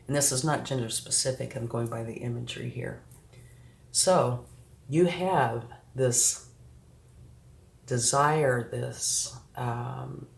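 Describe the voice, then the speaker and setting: A woman's voice: very deep voice, gravelly, a little mellow. A woman giving a tarot reading straight to the viewer, reassuring and sniffly from a recent flu. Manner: reassuring, addresses the viewer directly, frequent "okay" and "right". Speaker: tarot reader. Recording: echoey room with faint background noise.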